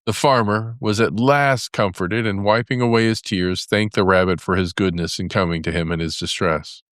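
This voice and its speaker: A man narrating a fairy tale as a storybook, in a measured storytelling manner. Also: on the low side, steady tone, a bit bright, no echo, studio quality. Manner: measured storytelling with character voices for dialogue.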